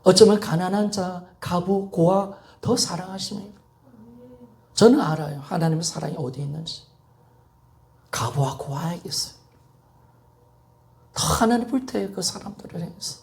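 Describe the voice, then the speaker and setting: A man's voice: sits high, moderate pace, gravelly, pauses often. A man in his fifties preaching a Sunday sermon in a church with passionate repetition and calls for an amen. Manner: impassioned preaching with repetition and call-and-response. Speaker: pastor.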